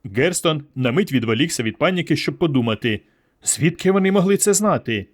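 A man reading a science-fiction audiobook aloud in steady storytelling narration. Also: a little high, fairly quick.

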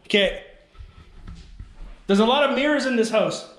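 Guy, 30s, hyped vlogging in an empty old house on an action cam, kinda high voice. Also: moderate pace. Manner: excitable, keeps calling out to viewers. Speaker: urban explorer vlogger. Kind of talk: casual exploring vlog to camera. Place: empty abandoned house, indoors. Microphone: handheld action camera.

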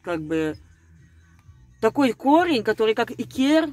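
A woman's voice: fairly high pitch, sing-song, measured pace, darkish tone, no echo, faint music behind. A woman talking casually and conspiratorially to her viewers, rambling and hesitant, breaking off words and repeating them as she chews over word roots aloud. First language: Russian. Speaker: video blogger. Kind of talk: casual speculative monologue to viewers.

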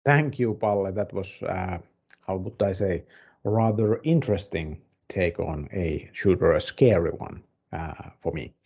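A middle-aged man presenting news semi-casually, in a halting, measured way. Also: low voice, darkish tone, husky, muffled recording.

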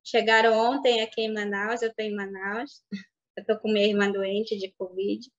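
A woman in her thirties whose first language is Baniwa, telling her life story in an interview, reflective and halting, over a video call. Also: mid-range voice, level tone. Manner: reflective, halting with restarts and soft fillers. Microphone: webcam on video call. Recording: dull lo-fi video call audio.

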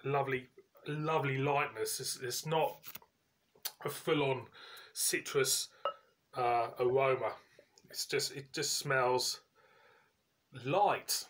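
A man, giving a casual, chatty review in colloquial, halting phrases as host. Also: mid-range voice, steady tone, fairly bright tone. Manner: informal, colloquial, pauses mid-sentence. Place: indoors, living room at home.

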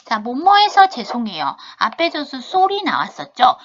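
A woman teaching travel English, reading model sentences slowly and carefully, then explaining them in Korean. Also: high-pitched, wildly swooping pitch, fairly bright tone, highs cut off. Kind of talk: video lesson on travel English.

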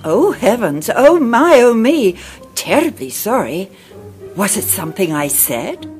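An actor playing a polite, flustered, apologetic white rabbit gentleman in an audio drama. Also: medium pitch, sing-song, measured pace, faint music behind. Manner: flustered, exclamatory, courteous.

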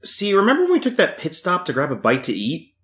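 Playful cocky guy at a game table, pitch jumps all over. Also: wildly swooping pitch, fast talker, a bit bright, reverberant. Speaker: tabletop player.

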